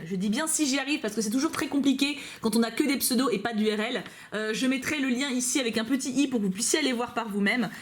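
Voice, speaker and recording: A woman YouTuber chatting casually to camera from her couch at home, bubbly and full of fillers and asides. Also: high-pitched. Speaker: YouTuber reacting to fan mail. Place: at home on a couch, dog nearby.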